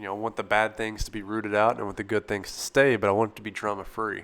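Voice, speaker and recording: A loud man's voice with an American accent, a bright, sharp tone and a fairly low pitch. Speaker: sports card hobby YouTuber. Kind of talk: casual monologue.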